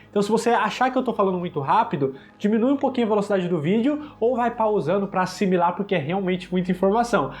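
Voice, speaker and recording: Pitch is high for this man, with ordinary variation. He talks at a very fast pace. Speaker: YouTuber, TV series reviewer. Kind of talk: video recap of a TV series. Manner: animated.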